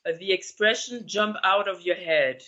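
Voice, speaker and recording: A woman's voice: mid-range voice, moderate pace, bright, forceful tone, dull audio. A woman in her sixties from Colombia, explaining things in an interview over a video call and searching for words with many fillers. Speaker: interview guest. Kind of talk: conversational interview.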